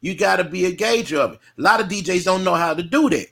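A man's voice: sits high, fast talker, creaky. A man in his fifties who works as a DJ, chatting casually and animatedly with plenty of profanity and repetition. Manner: animated, profane, repeats himself. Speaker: DJ and co-host. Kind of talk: casual chat.

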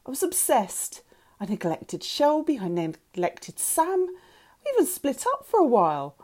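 Woman acting desperate, emotional mother, raised pitch. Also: sing-song, moderate pace, mellow. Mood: anguished. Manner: intense, emotional. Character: anguished birth mother, desperate, pleading, emotional. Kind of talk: dramatised audiobook character dialogue.

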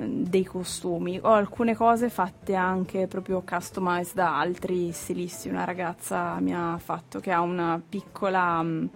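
A woman being interviewed as a performer in casual chat, often pausing to search for words. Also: on the low side, creaky. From southern Italy. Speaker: interview guest, burlesque performer. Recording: music behind the voice. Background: music.

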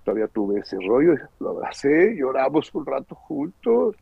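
A middle-aged man with a Mexican accent gives an earnest, emotional personal testimony. His voice is husky and gravelly. The recording is dry and dull, with a lo-fi sound. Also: medium pitch, very animated, moderate pace, no echo. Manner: earnest, emotional storyteller who acts out the voices in his story. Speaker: guest giving a personal testimony.

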